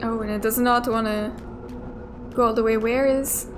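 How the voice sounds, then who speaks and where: Her voice on the high side and her tone steady, a young gamer talks at a moderate pace while playing, casually remarking and thinking aloud with the odd curse. The background is noisy, with game music clearly audible.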